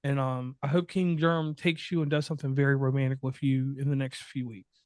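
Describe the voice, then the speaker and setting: A man hosting a podcast, talking in animated, rapid back-and-forth banter. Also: medium pitch, no echo. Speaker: podcast host. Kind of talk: casual podcast chat.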